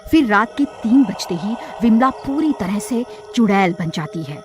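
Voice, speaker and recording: A woman narrating a cartoon horror story in a steady, dramatic storytelling manner. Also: medium pitch, moderate pace. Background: music.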